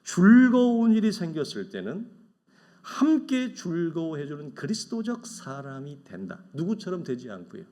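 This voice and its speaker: Man, middle-aged, pastor, Sunday sermon, conversational, rhetorical questions, slightly high voice. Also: very animated, moderate pace, dark tone. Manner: acts out quoted voices of envious people.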